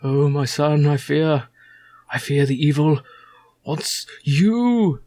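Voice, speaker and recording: A man voicing a fearful, fatherly old tribal seer with slow, ominous, theatrical proclamations. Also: on the high side, expressive, warm tone, pitched above the performer's own voice.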